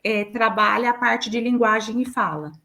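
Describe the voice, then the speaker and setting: A woman's voice: on the high side, normal speed, vocal fry, pushed and bright. A middle-aged Brazilian woman, a speech therapist, explaining patiently in an interview and giving examples.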